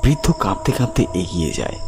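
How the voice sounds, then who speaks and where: A man reads a horror story with dramatic suspense. His voice sits very low and moves expressively across its range. Prominent music plays behind him. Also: sing-song, a little fast. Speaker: narrator. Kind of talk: scripted horror story narration.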